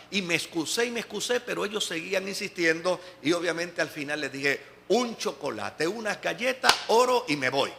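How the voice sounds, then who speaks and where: Giving a testimony sermon at a church service, a pastor from the Dominican Republic, with a Dominican Spanish accent, narrates his story and acts out other people's voices. His fairly high voice sounds creaky, pushed and bright, with slight background noise.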